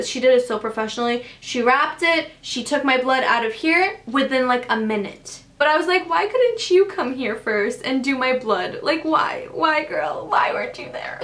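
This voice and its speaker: Animated young woman telling a story. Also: fairly high pitch, reverberant. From Canada. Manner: dramatic, animated retelling with many fillers. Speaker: vlogger. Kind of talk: storytime vlog.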